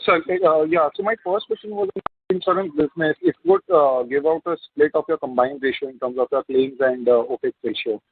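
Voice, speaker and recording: A man calling in as an analyst, asking questions politely and hesitantly with a husky, rough-edged voice. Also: a little high, very animated, fast talker. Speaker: securities analyst, caller. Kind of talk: asking questions on an earnings call. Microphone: phone. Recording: muffled, narrow phone line.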